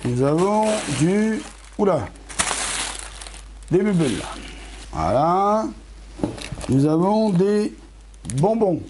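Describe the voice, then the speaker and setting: A man's voice: high voice, very animated, very slow, pauses often, dark tone, a little hiss or hum. A middle-aged man casually unboxing astronomy gear for his channel, chatty, talking straight to his viewers, a bit tired and losing his voice. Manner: chatty, self-correcting, addresses viewers. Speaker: amateur astronomy YouTuber.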